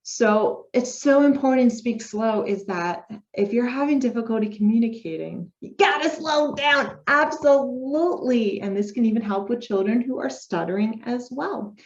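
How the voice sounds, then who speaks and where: A woman's voice: a little high, moderate pace, dark tone. Upbeat woman giving a lo-fi lecture. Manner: upbeat, explains step by step with spoken demonstrations. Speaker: speech therapy lecturer. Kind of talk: informal recorded lecture. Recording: dull lo-fi recording.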